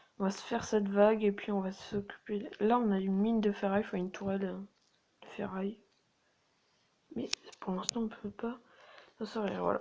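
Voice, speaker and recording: Speaking fairly quickly in a slight northern French accent, a woman holds a medium pitch with monotone, flat intonation and long, frequent pauses. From northern France. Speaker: gaming youtuber. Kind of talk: gameplay commentary. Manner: casual, hesitant with fillers.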